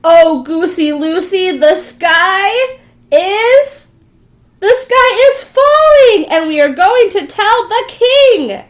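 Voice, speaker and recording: A woman's voice: very high voice, lively intonation, slow, voice pushed up, exaggerated voice. A woman voicing a frantic young hen in a children's storybook, with alarmed, stretched-out exclamations. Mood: alarmed, insistent.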